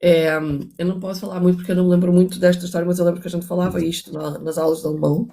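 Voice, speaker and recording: A woman's voice: on the low side, level tone, racing, dark tone. Give me an older woman discussing a book in a musing, moralizing way. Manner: musing, restarts often, moralizing asides. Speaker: host reading and analyzing a book.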